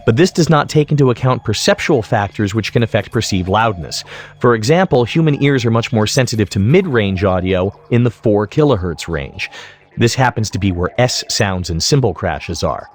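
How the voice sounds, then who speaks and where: A man giving an explanatory tutorial voice-over as an instructor, speaking in a measured, methodical way. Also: on the low side. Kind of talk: explanatory screen-recording narration.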